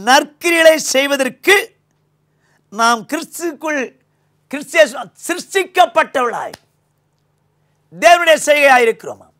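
The sermon comes from an older man, a pastor with a Tamil accent, recorded in a small studio indoors with a lapel mic. He moves back and forth between booming emphasis and hushed, low lines.

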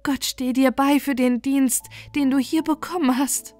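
A woman's voice: high voice, steady tone, measured pace, a little mellow, no room sound, soft background music, voice pushed up. A woman voicing a kind, worried young princess in a fairy tale, urgent and earnest as she gives advice. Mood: alarmed.

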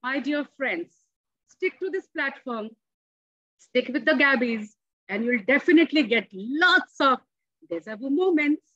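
A woman's voice: high voice, lively intonation, measured pace, fairly bright tone, no room sound. A woman in her forties whose first language is Hindi, giving an earnest impromptu club speech over a video call. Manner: earnest, emphatic, gestures while speaking. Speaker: club member answering a table topic. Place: home room. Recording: dull lo-fi video call audio.

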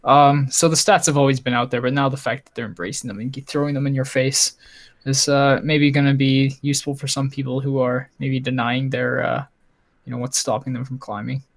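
A man co-hosting a casual gaming podcast, talking through his game stats in a relaxed way. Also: mid-range voice, a little fast. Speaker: podcast co-host.

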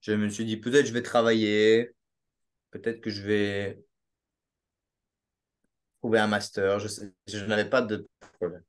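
This podcast guest, a young Belgian man with a Belgian French accent, talks casually over a video call in a hesitant manner, restarting often and using many fillers. His lowish voice has a flat delivery and comes through a laptop webcam mic in a small home room.

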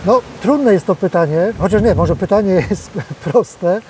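A man explaining farm equipment in a casual interview outdoors in a field, in a steady, explanatory way. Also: high-pitched, unhurried, slight background noise, poor audio.

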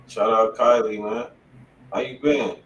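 A man's voice: fairly low pitch, fairly even intonation, measured pace, a bit bright, highs cut off. A man co-hosting a live music review stream, talking in casual, slangy style. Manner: slangy, informal. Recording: roomy, distant mic, faint noise.

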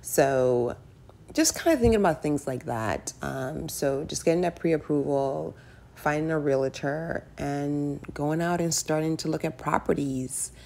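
A woman in her thirties with a low, gravelly, darkish voice does a casual voice-over for a screen recording as a personal finance vlogger. She's chatty and candid, sprinkling in fillers like "like" and "right."

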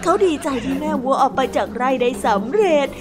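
Lady narrator for little kids' storybook, high voice, music behind. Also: animated, a little fast. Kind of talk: storybook narration for young children.

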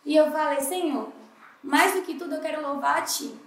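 High-voiced Brazilian woman in an echoey hall. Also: normal speed, a bit bright, far from the mic. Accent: Brazilian Portuguese. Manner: earnest and heartfelt, voicing her own prayers. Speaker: morning devotional speaker at a church congress. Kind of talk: personal devotional sermon. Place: church congress hall. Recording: roomy hall, voice a bit off the mic.

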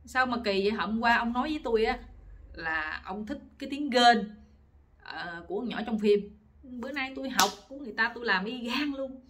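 A woman's voice: brisk, a bit bright, slight background noise, lightly acted. A woman voicing an exasperated older wife who scolds her husband. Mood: scolding. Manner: shrill, scolding complaints.

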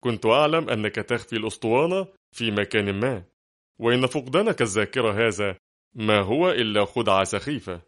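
A man's voice: on the low side, animated, a little fast, fairly bright tone. A man voicing a harsh, menacing spy. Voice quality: harsh, gruff. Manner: stern and menacing. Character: ruthless male foreign spy, harsh and sarcastic. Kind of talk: audiobook character reading.

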